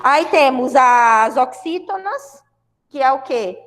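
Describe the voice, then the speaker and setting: High-voiced Brazilian teacher in a reverberant classroom. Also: female voice, lively intonation, slow pace, a bit bright. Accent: Brazilian Portuguese. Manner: explains step by step, checks in with "tá?" often. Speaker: school Portuguese teacher. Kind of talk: classroom grammar lesson.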